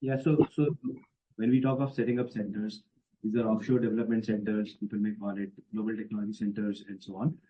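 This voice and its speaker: A man's voice: lowish voice, level tone, a little fast. A man with an Indian accent speaking as a company executive, giving emphatic, assertive explanations to analysts. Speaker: company executive on an earnings call. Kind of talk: spontaneous explanatory answers to analysts. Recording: dull, band-limited conference call audio.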